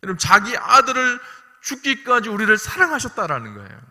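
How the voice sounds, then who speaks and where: 울림 큰 교회에서 설교하는 남자 목사. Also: male voice, very high-pitched, wildly swooping pitch, fairly quick. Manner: emphatic preaching that swings from soft to loud; often asks the congregation short questions. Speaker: senior pastor. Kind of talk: sermon. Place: church sanctuary. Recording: long hall reverb.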